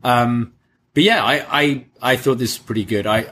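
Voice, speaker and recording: A young man co-hosting a wrestling review, speaking in a relaxed, thoughtful way with frequent ums. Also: mid-range voice, moderate pace, a little hiss or hum. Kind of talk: casual chat.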